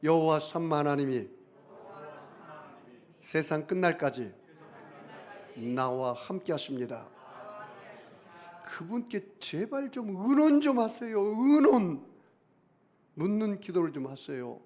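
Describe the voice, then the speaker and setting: A middle-aged man preaching a sermon as senior pastor, emphatic, with big swings in pitch and volume, leading the congregation in call-and-response. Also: very animated, takes it slowly, pauses often, a little mellow.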